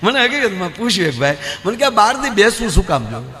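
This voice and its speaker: A man's voice: sits high, big pitch swings, quick pace, bright, forceful tone, big-room sound, slight background noise. A man from Gujarat, telling folk comedy stories on a live stage and acting out the voices of the people in his jokes. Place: live stage show before an audience.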